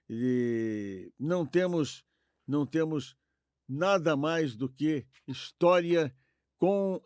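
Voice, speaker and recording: A man's voice: medium pitch, darkish tone, no echo, clean studio sound. A man with a Brazilian accent hosting a podcast in a conversational way. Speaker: host.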